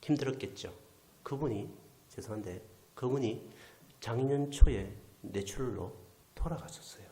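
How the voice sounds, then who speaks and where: A male pastor with a delivers an animated storytelling sermon, his pitch swinging widely as he acts out the people he quotes. At times he sinks almost to a whisper. The sound rings in an echoey church hall. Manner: animated storyteller, acting out quoted voices, drops to near whisper. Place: church sanctuary.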